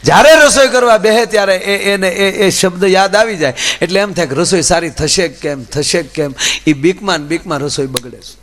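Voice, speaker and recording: A man's voice: high voice, brisk. A man telling comic folk stories on stage, acting out the voices of the people in them. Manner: lively storytelling with acted-out voices. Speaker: folk comedian. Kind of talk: Gujarati stand-up storytelling. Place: stage program before an audience.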